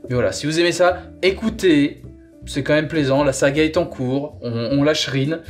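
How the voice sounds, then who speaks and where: A man's voice: on the high side, moderate pace, faint music behind. A man hosting a review show, chatting casually as he presents and gives his opinion. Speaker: host reviewing audio sagas.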